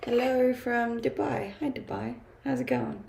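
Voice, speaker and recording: A woman's voice: a little high, steady tone, unhurried, gravelly, roomy sound, heavy background noise. A young woman from Denmark whose first language is Danish, chatting casually on a live stream and reading out viewer comments, laughing often and using many fillers.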